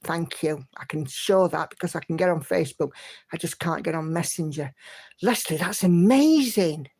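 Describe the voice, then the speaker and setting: Her voice sits low, slightly rough and a little mellow, expressive at a moderate pace. She hosts a livestream in casual, encouraging chat, reading viewer comments and humming along to herself.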